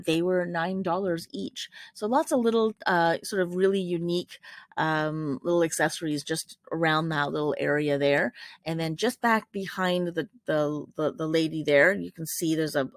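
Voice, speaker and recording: A woman's voice: sits low, no room sound. Chatty woman narrating over photos, dry sound. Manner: rambling, many fillers and self-corrections. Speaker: vlogger describing a warehouse sale.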